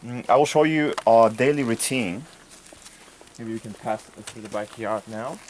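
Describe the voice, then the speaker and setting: A young man from Bulgaria speaking English with a Bulgarian accent, casually showing a visitor around outdoors, relaxed with many fillers and restarts. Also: medium pitch, a little slow, a little hiss or hum, rough recording. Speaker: volunteer giving a tour. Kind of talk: casual explanatory tour. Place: outdoors in a rural garden and field.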